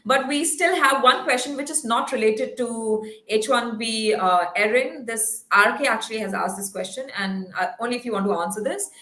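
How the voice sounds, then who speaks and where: A woman's voice: fairly high pitch, normal speed, hardly any pauses, sharp tone. Lady hosting a q&a show, lots of ums, sounds like a bare echoey room. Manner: hesitant, many fillers. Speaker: show host. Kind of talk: reading viewer questions on a talk show. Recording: roomy echo.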